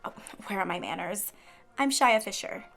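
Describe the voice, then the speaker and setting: A woman's voice: medium pitch, animated, normal speed, creaky, a bit bright, faint music behind. A woman playing a gracious water nymph photographer in a fiction podcast, with a polite, effusive manner. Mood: gracious, apologetic.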